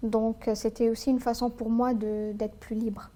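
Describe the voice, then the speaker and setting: Mellow-voiced woman. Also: a little high, level tone, moderate pace. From Algeria. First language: Algerian Arabic. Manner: earnest, thoughtful, with frequent hesitations. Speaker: guest, tax lawyer. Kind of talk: personal interview, recounting her life.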